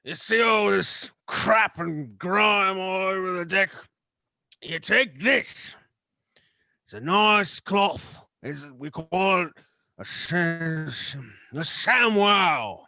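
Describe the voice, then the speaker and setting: Swaggering pirate captain , improvised by a man, higher-pitched and creaky, comic halting patter, dry close sound. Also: lively intonation, sharp tone, dry recording, exaggerated voice. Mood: swaggering, salesy.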